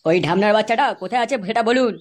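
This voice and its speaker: A man voicing a gruff, threatening cartoon police officer with crude, bullying manner, in a pitched-up voice. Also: very fast.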